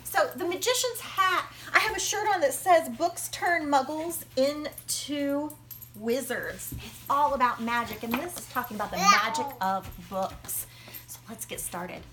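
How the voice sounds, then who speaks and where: A woman reading a children's picture book aloud, expressively, with dramatic pauses and emphasis. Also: high-pitched, lively intonation, echoey room, background noise. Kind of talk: animated children's read-aloud.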